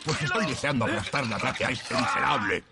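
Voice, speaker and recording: An actor playing a hot-tempered, servile robot butler who speaks formally, in a film dub. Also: male voice, medium pitch, brisk, very noisy, close to an everyday voice. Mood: threatening. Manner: formal, grumbling. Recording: film soundtrack with music under.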